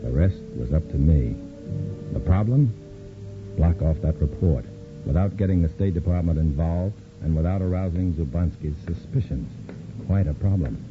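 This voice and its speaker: An actor playing a cool-headed male undercover agent who also narrates briskly, heard on an old radio broadcast recording. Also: low-pitched, phone-quality sound, music in the background. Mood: calm. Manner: brisk, wry first-person narration. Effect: old scratchy radio broadcast recording. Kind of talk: 1950s radio drama acting.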